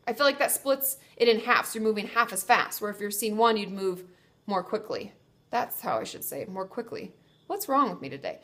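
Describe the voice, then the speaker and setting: A young woman therapist with a congested, stuffy nose, giving chatty, reassuring advice to viewers and correcting herself as she goes. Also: a little high. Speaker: therapist answering viewer questions. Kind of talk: casual advice vlog.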